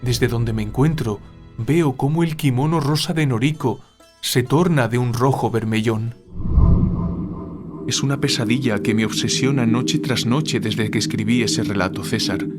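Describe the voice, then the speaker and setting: A man playing a troubled writer haunted by nightmares, confiding in a measured, literary way, as in an audio drama. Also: mid-range voice, over music, natural voice. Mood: tense. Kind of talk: audio drama monologue, narrating a dream.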